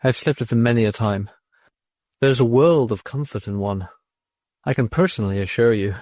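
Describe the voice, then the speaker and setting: A man voicing a gruff, impatient ancestor of great age in an audiobook, with a curt, opinionated way of talking. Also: mid-range voice, normal speed, darkish tone, no echo, studio quality, lightly acted. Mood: matter-of-fact. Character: ancient, youthful-bodied man, gruff, impatient, dismissive ancestor.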